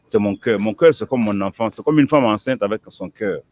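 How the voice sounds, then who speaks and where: A man's voice: lowish voice, fairly quick, a little mellow, dry recording. A man, an imam, answering questions in an emphatic preaching manner, repeating words as he builds each point. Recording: dull lo-fi recording.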